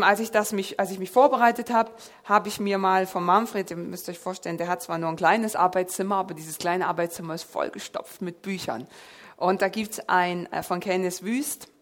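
A woman preaches in a direct, conversational way. She talks straight to her listeners, reads Bible passages aloud and stops to explain the Greek words behind them. Her voice is mid-pitched and plain. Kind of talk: sermon with Bible exposition.

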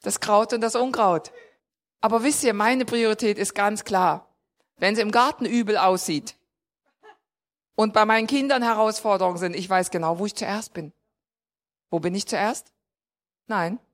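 A woman's voice: mid-range voice, moderate pace, pauses often. A woman preaching a sermon in a conversational way, asking her listeners questions directly and rising to emphatic points.

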